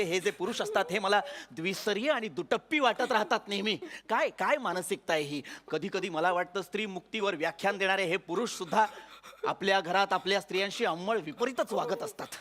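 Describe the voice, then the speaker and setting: A man's voice: pushed and bright, big-room sound. An actor playing a prim, refined man in a stage comedy sketch, who speaks in formal, bookish language and lectures earnestly. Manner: formal, high-flown, lecturing.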